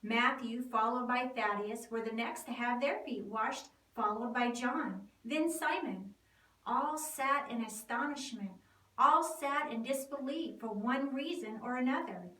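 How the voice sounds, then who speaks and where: A woman reading a dramatic scripted narration in deliberate, storytelling phrases. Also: on the high side, a bit bright. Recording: echoey room, distant mic.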